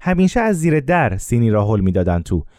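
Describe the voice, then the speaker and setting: A man narrating a first-person story in a calm, measured way, with scripted narration. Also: medium pitch, no echo, studio quality.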